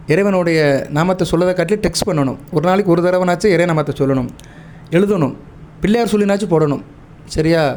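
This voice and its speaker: A man with a Tamil accent giving devotional advice to viewers, measured and instructive, stopping often to check that listeners follow. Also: a little high, a little hiss or hum. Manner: chants mantras and praise lists in a steady recitation. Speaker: astrologer.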